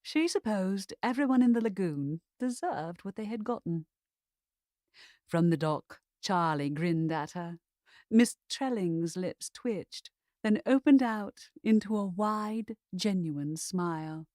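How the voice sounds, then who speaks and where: A woman reading a comic Regency romance as an expressive audiobook narrator. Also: medium pitch, takes it slowly, no room sound, studio quality.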